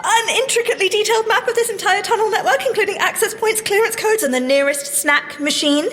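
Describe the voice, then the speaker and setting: An actress playing a wry, good-humoured young scientist and secret agent, chatting in an audio drama. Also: female voice, very high-pitched, fast talker, fairly bright tone, in a large hall, a little hiss or hum. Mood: teasing. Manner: dry teasing, polite, chatty. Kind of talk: audio drama field banter.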